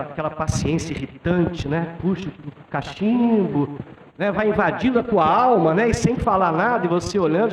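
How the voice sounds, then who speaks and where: A man's voice: a little high, lo-fi sound. Middle-aged man lecturing in echoey hall. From Brazil. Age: 50s. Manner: conversational, tags sentences with "né?". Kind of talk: storytelling lecture. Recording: echoey hall from far off with faint noise.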